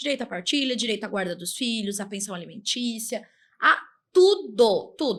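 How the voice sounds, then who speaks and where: Speaking with a Brazilian accent at a moderate pace, a woman makes very wide pitch swings and big swings in loudness, on a very clean recording with a silent background. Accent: non-carioca Brazilian. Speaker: lawyer. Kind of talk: podcast interview.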